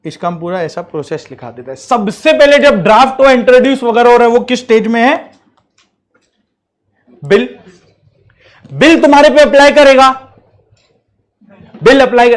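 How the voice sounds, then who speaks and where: A man gives a classroom law lecture in a fairly high voice. He mixes English legal terms into his speech. He keeps checking that the students are following. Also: moderate pace, long pauses. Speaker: teacher.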